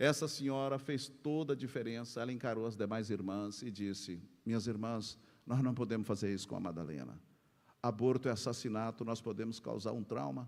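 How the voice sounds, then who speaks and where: A man with a Minas Gerais accent talks at a moderate pace and a medium pitch, his intonation lively. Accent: Brazilian Portuguese, Minas Gerais (mineiro). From Brazil, Minas Gerais. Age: 60s. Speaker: pastor. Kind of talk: testimony. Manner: animated.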